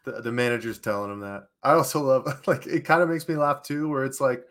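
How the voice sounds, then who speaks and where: A man's voice: mid-range voice, brisk, fairly bright tone. A man co-hosting a sports show who talks emphatically and laughs between his words. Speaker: podcast co-host. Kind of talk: casual sports chat.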